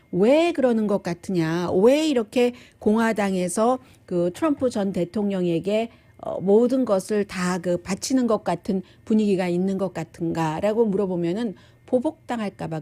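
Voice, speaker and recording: Woman doing live news commentary, kinda mellow voice, explains stuff conversationally. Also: mid-range voice.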